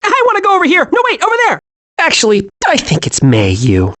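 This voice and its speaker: A hyperactive young male cartoon squirrel for a video game. His voice sits very high and swings wildly up and down. He is childlike, naive and scatterbrained, always eager and cheerful. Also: wildly swooping pitch, brisk, bright, forceful tone, full character voice. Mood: hyper, eager. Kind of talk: animated video game voice acting.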